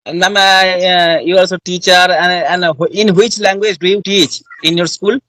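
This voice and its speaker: A man's voice: high-pitched, fairly even intonation, normal speed, pushed and bright, dry recording. A man from India with an Indian accent interviewing on an online call, polite and agreeable, often saying yes and ma'am. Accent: Indian English. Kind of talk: casual conversation practice.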